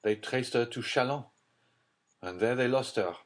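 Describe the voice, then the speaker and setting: A man's voice: mid-range voice, moderate pace, lightly acted. A man voicing a grim, despairing prosecutor in an audiobook, speaking in a grave, urgent, confiding way. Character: grim, despairing male prosecutor, middle-aged, secretive. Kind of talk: audiobook character voice.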